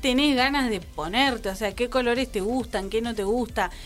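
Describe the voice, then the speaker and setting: Her pitch high and her pitch variation ordinary, a woman speaks at a moderate pace. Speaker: radio co-host. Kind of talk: casual chat.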